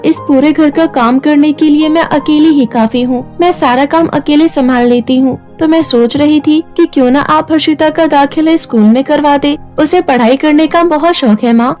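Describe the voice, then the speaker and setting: A woman voicing Pooja, a kind and meek young stepdaughter in a cartoon story, who talks gently and pleads. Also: high voice, voice pushed up, natural voice.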